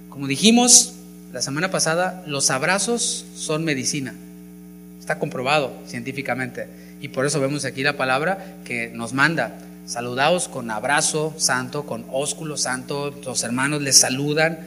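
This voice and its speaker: A man, a pastor preaching a lively sermon in church, often acting out gossiping members in quick asides. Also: on the high side. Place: church hall. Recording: live church recording with mains hum.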